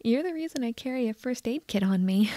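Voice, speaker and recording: A woman playing a shy, nervous teenage girl in love with a best friend, in a breathy, hesitant ASMR roleplay whisper. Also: fairly high pitch, lively intonation, warm tone, no room sound, natural voice. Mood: bashful, playful. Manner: hesitant, halting, tender.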